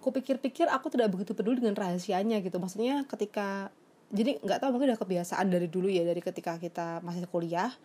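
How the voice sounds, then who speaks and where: A woman's voice: mid-range voice, fast, darkish tone, breathy edge. A young woman who works as a psychologist, talking in a casual, reflective way and slipping English phrases into her speech. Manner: chatty and reflective, mixing in English phrases, many fillers. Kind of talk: casual confessional vlog.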